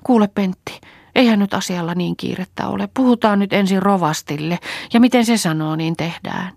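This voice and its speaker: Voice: mid-range voice, no room sound, clean studio sound, pitched above the performer's own voice, close to an everyday voice. A reader doing a pleading, anxious farm wife. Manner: pleading, trembling voice. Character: anxious, pleading peasant woman. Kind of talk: audiobook character voice.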